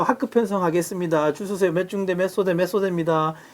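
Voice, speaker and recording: With a slight North Korean accent, a man speaks at a high pitch. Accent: slight North Korean-style intonation. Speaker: reporter and reserve forces expert. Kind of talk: casual interview discussion.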